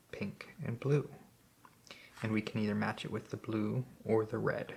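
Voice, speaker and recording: At a very slow pace, the speaker is soft-spoken with vocal fry and ordinary pitch variation. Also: man. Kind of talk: ASMR board game play-through.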